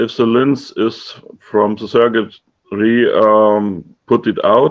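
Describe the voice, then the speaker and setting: In a German accent, a man speaks at a very slow pace. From Germany. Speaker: caller. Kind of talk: asking a question. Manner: halting.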